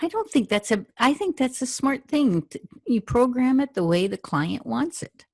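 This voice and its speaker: A woman's voice: a little high, sing-song, normal speed, creaky, dry recording, clean studio sound. A middle-aged woman with a Canadian accent hosting a casual podcast interview, chatty and teasing, often breaking into laughter. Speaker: podcast host, hypnosis trainer.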